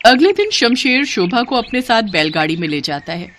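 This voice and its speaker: A woman narrating a scripted moral story in an expressive storytelling style. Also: a little high, moderate pace.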